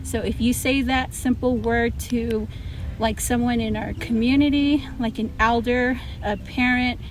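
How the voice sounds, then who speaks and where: A woman's voice: fairly high pitch, fairly even intonation, a little slow, a little hiss or hum. A woman from a Native American reservation in the United States, a teacher answering casually and explaining with examples.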